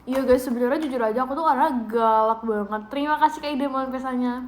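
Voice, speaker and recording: Young woman, high bright voice, playful giggly live-stream chat, roomy echo on a phone mic. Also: quick pace, a little hiss or hum. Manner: playful, giggly, thanks viewers. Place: room at home. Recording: roomy echo of a small room.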